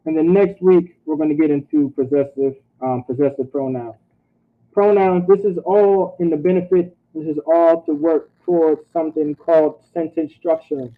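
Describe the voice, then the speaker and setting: A man's voice: a little high, moderate pace. A man teaching an online language class, repeating phrases and checking in with "all right?". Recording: tinny phone-like audio.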